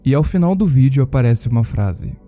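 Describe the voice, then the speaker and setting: A man's voice: medium pitch, animated, fairly quick, music in the background. A Brazilian man narrating scripted commentary on horror videos.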